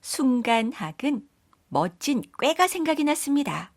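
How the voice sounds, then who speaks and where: Slow, husky woman storyteller. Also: high voice, very animated, no room sound, studio quality. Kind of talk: scripted children's folktale narration.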